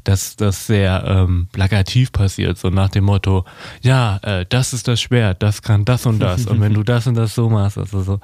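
Low-voiced casual male radio co-host. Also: fairly even intonation, moderate pace, a little mellow, no echo. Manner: hesitant, filler-heavy, casual slang. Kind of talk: casual radio chat about literature.

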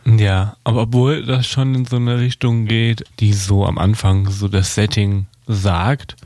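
Low-voiced casual male radio co-host. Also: flat delivery, measured pace, a little mellow, no echo. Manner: hesitant, filler-heavy, casual slang. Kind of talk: casual radio chat about literature.

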